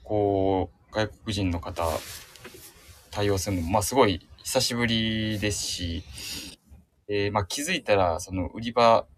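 Low-voiced man rambling through an anecdote. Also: measured pace, a little hiss or hum. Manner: hesitant, rambling, self-conscious. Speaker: radio show guest, shop staff member. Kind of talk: casual chat and anecdote telling. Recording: remote connection audio.

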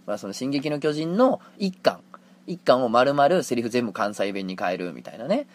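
A man with a Kansai accent talking casually on his own podcast, reading listener mail and often acting out quick exchanges. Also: mid-range voice. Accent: Kansai Japanese. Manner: animated, jumps into acted quotes. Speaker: podcast host. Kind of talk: casual solo talk radio.

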